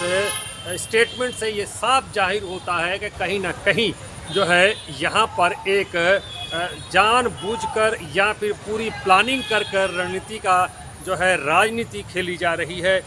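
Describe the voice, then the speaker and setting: High-voiced news reporter over street noise. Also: male voice, fairly even intonation. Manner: fluent with filler pauses.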